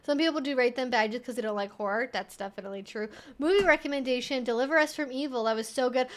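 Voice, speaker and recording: High-voiced young woman chatting casually on a livestream. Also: fast talker. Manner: chatty, rambling, informal. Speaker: livestream host. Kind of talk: casual livestream chat, reading and answering viewer comments.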